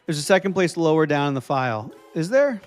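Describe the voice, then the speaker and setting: A man's voice: a little high, sing-song, fairly quick, faint music behind. A young man from New Jersey hosting a live stream, thinking aloud as he codes and answering viewers in casual chat.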